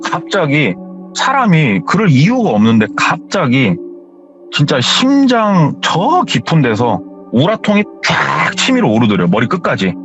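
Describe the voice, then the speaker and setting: A man hosting a horror story radio show, telling a story in an animated way and acting out the quoted lines. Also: fairly high pitch, a little slow. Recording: dull audio with faint music.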